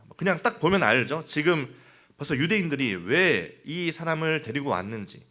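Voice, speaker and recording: A man's voice: on the high side, fairly bright tone. A man preaching a midweek sermon, talking in a conversational way with rhetorical questions and small fillers. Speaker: pastor.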